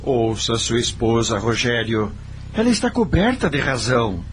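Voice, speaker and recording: Man acting animated, persuasive Brazilian idealist. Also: medium pitch, moderate pace, slight background noise, natural voice. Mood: firm. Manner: didactic, persuasive. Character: idealistic middle-aged spiritist husband, earnest persuasive friend. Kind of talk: Brazilian radio soap acting.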